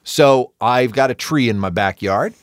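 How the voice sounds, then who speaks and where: A man's voice: medium pitch, a little slow, no echo, clean studio sound. A man co-hosting a podcast, telling a story in a casual chat, laughing often and acting out other people's lines. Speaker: podcast co-host.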